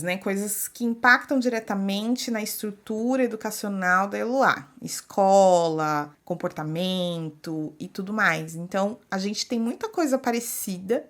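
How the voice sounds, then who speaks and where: A woman in her thirties from Brazil, a podcast host and mother, chatting casually and animatedly, acting out what other people say. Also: mid-range voice. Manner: animated, expressive, acts out quoted people. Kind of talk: casual chat.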